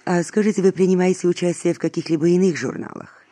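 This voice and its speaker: Radio interviewer: man, mellow tone, measured and formal. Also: high voice.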